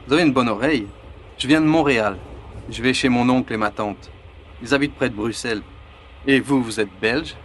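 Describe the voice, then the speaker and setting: A man plays a friendly Canadian traveler, courteous and easygoing. He speaks with a Canadian French accent in a clear learner dialogue, with a faint background hum. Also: medium pitch, a little fast, a bit bright, close to an everyday voice. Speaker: train passenger in a dialogue. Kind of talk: scripted slow-paced learner dialogue.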